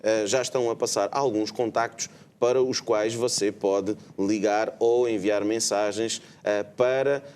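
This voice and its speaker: A man's voice: lowish voice, steady tone, unhurried, a little mellow, slight background noise. A man with a European Portuguese accent hosting a live religious TV program, talking with many hesitant filler sounds. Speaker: host.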